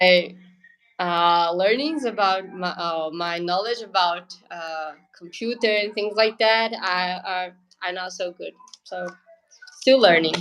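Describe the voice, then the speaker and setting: Speaking at a very slow pace with a Portuguese accent, a woman keeps a medium pitch and ordinary pitch variation while her loudness swings widely. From Brazil. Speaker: travel vlogger. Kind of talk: interview on a livestream. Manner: halting.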